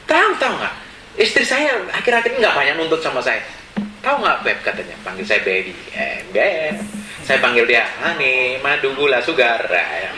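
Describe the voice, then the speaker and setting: A pastor, preaching with animated storytelling and acting out the people in his stories. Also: medium pitch, moderate pace, noisy background. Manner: animated, acts out quotes and laughs along. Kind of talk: storytelling sermon. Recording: echoey room with faint ambience.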